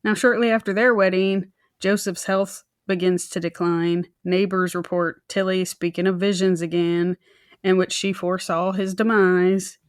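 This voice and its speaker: Co-hosting a true crime podcast, a woman tells a story casually and colloquially, informal in manner, with joking asides and mimicked quotes. Her voice is lowish, her delivery flat and her pace moderate. The recording is clean studio sound with no room sound.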